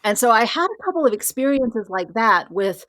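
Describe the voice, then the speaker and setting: A woman's voice: a little high, sing-song, moderate pace, fairly bright tone, dry recording. Middle-aged woman, dry close recording. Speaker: podcast guest, horror writer and college professor. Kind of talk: casual interview storytelling.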